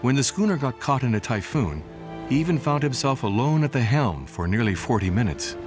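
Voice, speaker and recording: A man narrating a documentary from a script in a measured storytelling manner. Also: medium pitch, sing-song. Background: music bed.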